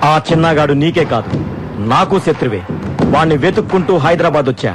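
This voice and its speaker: Actor as a vengeful strongman, slightly high voice. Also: brisk, background noise, natural voice. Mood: proud, vengeful. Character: self-important male strongman seeking revenge. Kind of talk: Telugu film drama acting. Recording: film soundtrack with loud score.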